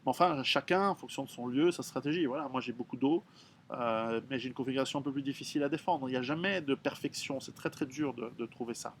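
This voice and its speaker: This mid-range male voice talks fast over slight background noise. He's a middle-aged author from Switzerland answering reader questions bluntly and frankly, stopping and starting again many times in an offhand spoken monologue.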